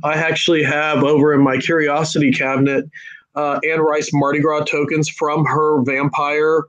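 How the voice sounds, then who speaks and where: A fairly high-voiced man talks about his horror writing in a relaxed podcast chat. He rambles a little, with fillers, and sounds eager and enthusiastic. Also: moderate pace, dull audio. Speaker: horror story author. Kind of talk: casual podcast discussion.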